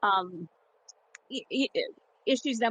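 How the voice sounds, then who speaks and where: This is a woman speaking. She talks at a moderate pace. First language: not English. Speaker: interviewer. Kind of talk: interview. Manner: conversational, with fillers.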